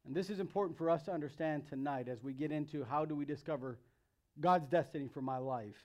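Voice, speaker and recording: A man's voice: on the high side, fast talker, a little mellow. A man in his thirties with an American accent gives a sermon to young people as their pastor, conversational and emphatic, repeating phrases for emphasis. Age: 30s. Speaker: youth pastor preaching.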